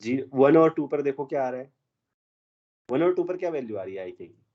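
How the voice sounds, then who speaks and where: A man's voice: mid-range voice, lively intonation, brisk, muffled recording. A man teaching an exam math problem in a classroom, mixing Hindi with English math terms and quizzing his students.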